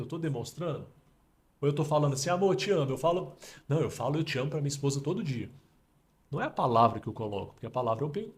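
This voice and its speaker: A Brazilian man hosting a casual podcast, explaining with emphatic metaphors in an animated way. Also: medium pitch. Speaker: podcast host.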